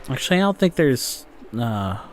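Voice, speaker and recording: A man's voice: mid-range voice, very animated, normal speed. A young man casually commentating a racing game as he plays, rambling with lots of fillers and the odd curse. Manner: rambling with frequent fillers and profanity. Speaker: gaming channel host.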